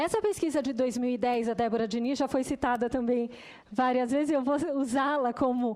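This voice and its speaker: Speaking at a moderate pace, a woman uses a high-pitched voice. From Brazil, Campinas (São Paulo state). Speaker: dentist and public health researcher. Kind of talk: lecture. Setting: committee hearing before senators.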